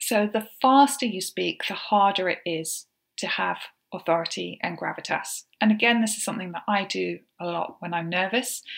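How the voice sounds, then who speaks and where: With a British accent, a woman of medium pitch speaks at a moderate pace with ordinary pitch variation. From UK. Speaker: leadership coach. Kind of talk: solo podcast monologue. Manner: voice lowered on purpose at times.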